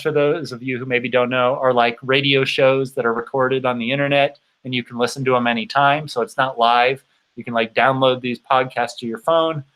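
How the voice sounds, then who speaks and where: A man in his thirties hosts a casual livestream in a medium-pitched voice. He talks informally and rambles, often halting to find his thought. His voice is tiring from long use. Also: a bit bright, low-quality recording. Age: 30s. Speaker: host of a bicycle touring channel.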